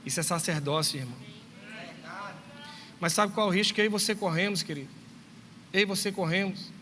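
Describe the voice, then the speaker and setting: A man's voice: sits high, brisk, pushed and bright, in a large hall, slight background noise. A man preaching a sermon to a congregation, telling stories, acting out dialogue and speaking directly to his listeners. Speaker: pastor and schoolteacher. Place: church sanctuary.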